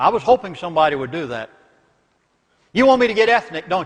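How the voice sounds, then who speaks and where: An animated man's voice, high-pitched, with very wide pitch swings. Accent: Southern US. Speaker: minister and lecturer. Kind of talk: lecture. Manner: fast.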